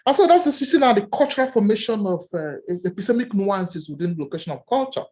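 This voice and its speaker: A man with a Nigerian accent, giving animated seminar remarks as an academic discussant and telling stories with many repeated words. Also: high voice, quick pace.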